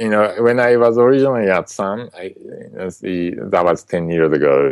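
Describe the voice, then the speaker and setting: With a Japanese accent, a man speaks in very wide pitch swings. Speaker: software developer and CTO. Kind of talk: casual tech interview. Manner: halting, hesitant with fillers.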